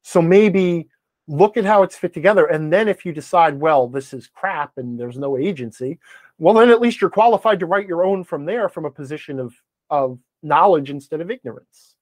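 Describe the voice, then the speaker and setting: Emphatic, higher-voiced man giving blunt opinions. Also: expressive, moderate pace, a little mellow, no room sound. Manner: emphatic, blunt, acts out imagined remarks. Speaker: podcast guest, game blogger and game master. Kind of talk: opinionated conversational explanation.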